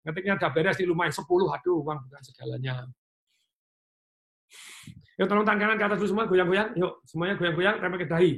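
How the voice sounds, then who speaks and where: A man leads an online motivational seminar with a high voice. He is energetic and playful and keeps turning to his audience with direct prompts and calls to repeat after him. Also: fast talker, creaky, pauses often. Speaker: motivational speaker. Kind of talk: motivational webinar talk. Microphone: webinar mic.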